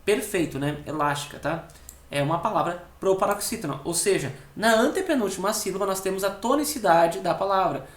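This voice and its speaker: A man with a southern Brazilian accent teaching an exam-prep lesson, explaining step by step and tagging nearly every phrase with a quick check-in question. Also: high voice, expressive. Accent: southern Brazilian (Rio Grande do Sul). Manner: repeats key words slowly for emphasis. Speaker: Portuguese teacher for civil service exams. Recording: echoey room.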